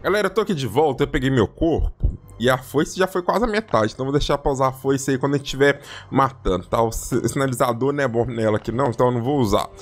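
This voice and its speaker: A young Brazilian man giving excitable, casual let's-play commentary, talking straight to his viewers and repeating phrases as he plays. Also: medium pitch, fast. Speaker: gaming YouTuber. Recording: game music playing behind.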